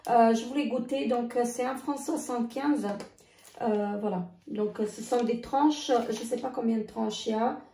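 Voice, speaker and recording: A woman, losing her voice, chatting casually through a grocery haul with many halting fillers and restarts. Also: a little high, steady tone, vocal fry, warm tone, distant mic. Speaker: vlogger. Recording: echoey room, voice off-mic.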